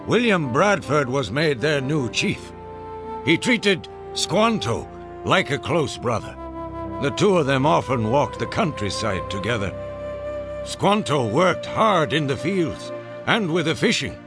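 An actor playing a dignified Native American chief who fondly recounts the past in measured, solemn radio drama narration. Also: male voice, on the high side. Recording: music behind the voice. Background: clear music.

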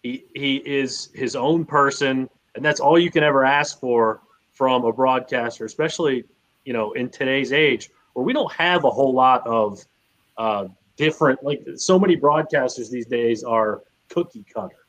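A man's voice: mid-range voice, moderate pace, a bit bright, rough recording. A man co-hosting a sports podcast in casual conversation, repeating phrases for emphasis.

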